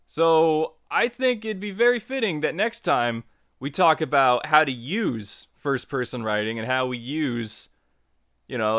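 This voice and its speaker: A man's voice: medium pitch, a bit bright, no echo, studio quality. A man hosting a casual video lesson, chatty and enthusiastic, often restarting phrases and saying "you know". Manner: chatty, repeats words, lots of "you know". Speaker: online tutorial host.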